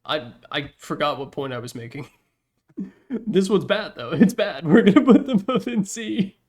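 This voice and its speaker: A man's voice: high-pitched, animated, normal speed, darkish tone. A man hosting a gaming video with casual, unscripted tier-list commentary, rambling along in a jokey, self-deprecating way.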